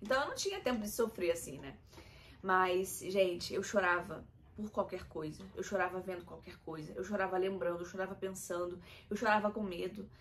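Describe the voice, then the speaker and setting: "Gente" is how this young woman addresses her viewers as she confides in them emotionally and candidly in her personal vlog. She has a Brazilian Portuguese accent and a fairly low, somewhat bright voice, speaks fairly quickly, and there is slight background noise.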